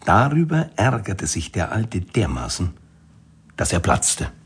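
Husky, lively-toned male audiobook narrator. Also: low voice, measured pace. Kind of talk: audiobook reading of a satirical essay.

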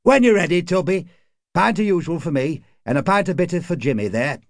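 A man's voice: high voice, lively intonation, brisk, no room sound, studio quality, pitched above the performer's own voice. A man voicing an irritable, cynical working-class card player in an audiobook, grumbling in colloquial, sweary speech. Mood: breezy, matey. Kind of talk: audiobook character acting.

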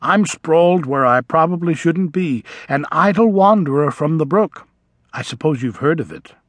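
A man's voice: a little high, animated, moderate pace, no echo. A man voicing a young male mouse who is cheerful, keen and polite. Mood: eager. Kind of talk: audiobook character voice.

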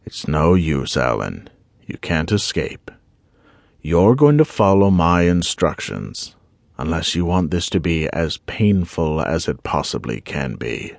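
Man voicing a cold, calm intruder. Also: a bass voice, gravelly, no room sound, studio quality, full character voice. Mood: menacing. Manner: slow, quiet and threatening. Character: calm menacing male intruder, cold and controlled.

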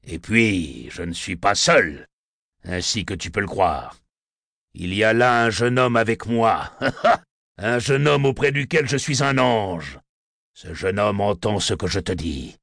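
A slow, threatening rough convict, put on by a male narrator of a storybook reading. The voice sits low and is recorded dry and close. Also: lively intonation, fairly bright tone, dry recording, exaggerated voice. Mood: menacing. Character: menacing rough male escaped convict, middle-aged.

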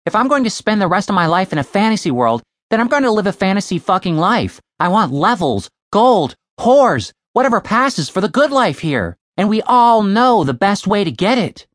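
A man's voice: high-pitched, sing-song, normal speed, hardly any pauses, no room sound, studio quality, pitched above the performer's own voice. A woman voicing a grumpy, foul-mouthed young man, a former bartender who rants profanely. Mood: defiant. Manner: profane, ranting.

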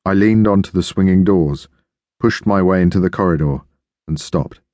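Deep-voiced male audiobook narrator. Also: no echo. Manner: measured, steady storytelling. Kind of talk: scripted first-person narration.

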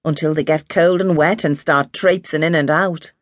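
A woman's voice: low-pitched, fairly even intonation, moderate pace, no echo, studio quality, natural voice. A woman reading the part of a cross, stubborn older woman who feels unwell. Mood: cross, weary.

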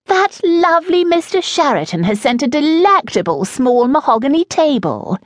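A woman's voice: sits high, very animated, normal speed, dry recording, studio quality, voice pushed up. A woman voicing an effusive older society lady who talks in gushing exclamations. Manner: gushing, exclamatory, breathless enthusiasm.

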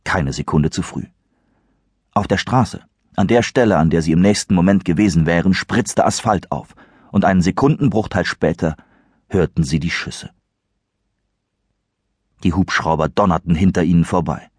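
A man reading a thriller audiobook in measured, suspenseful narration. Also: low-pitched, darkish tone, slightly rough, no room sound, studio quality. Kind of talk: scripted narration.

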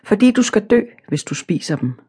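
A woman reading a storybook, voicing God as a patient, gently firm father figure. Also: medium pitch, big pitch swings, slightly rough. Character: calm fatherly male God.

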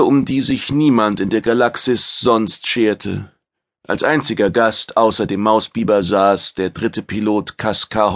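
A man narrating a science fiction audiobook in a measured, even storytelling manner. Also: on the low side, vocal fry.

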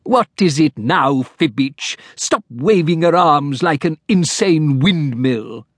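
A man's voice: fairly high pitch, expressive, slow pace, no room sound, studio quality, pitched above the performer's own voice. A man voicing a cold, bullying male chief councillor who speaks in a sneering, commanding way. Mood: scornful.

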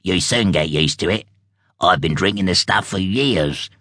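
A man's voice: sits low, animated, unhurried, a bit bright, dry recording, clean studio sound, pitched below the performer's own voice, exaggerated voice. A man voicing a small, fat, chatty male warthog who acts like a know-it-all. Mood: chirpy.

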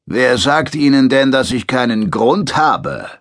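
A man's voice: mid-range voice, animated, slow pace, a bit bright, voice pushed up. A man voicing a menacing, brutish alien soldier sergeant in an audiobook, speaking with a mocking drawl. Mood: sneering. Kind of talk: audiobook character voice.

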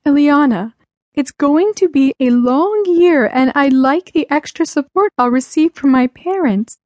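A worried middle-aged mother, put on by a woman narrator in an audiobook. She speaks in a raised pitch, gentle, soothing and earnest but firm. The recording is dry. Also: moderate pace, no room sound. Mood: pleading, soothing. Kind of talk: audiobook character dialogue.

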